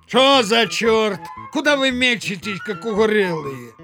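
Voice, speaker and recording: A man's voice: sits high, very animated, measured pace, over music, heavily acted. An actor playing a blustering, indignant village father in a Russian audio drama, grumbling and exclaiming theatrically. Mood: irritated.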